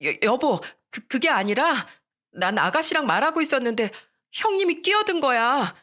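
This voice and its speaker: A woman's voice: high voice, big pitch swings, moderate pace, pushed and bright, pitched above the performer's own voice, heavily acted. A woman voicing a young sister-in-law who begs and apologizes in a raised, tearful voice. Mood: defensive. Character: young woman lawyer, sister-in-law, arrogant turned pleading.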